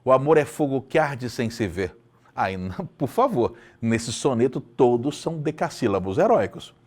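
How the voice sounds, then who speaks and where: A man from Brazil, teaching a video lesson in an expressive, emphatic way, repeating lines for effect. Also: medium pitch, moderate pace. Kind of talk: video lecture.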